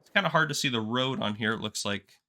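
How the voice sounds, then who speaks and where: A congested man with a sore throat gives an easygoing walkthrough of a game map. His voice sits bright and forward, and he wanders into chatty asides as he goes. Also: medium pitch, fast talker. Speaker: gaming channel host. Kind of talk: casual game map tour commentary.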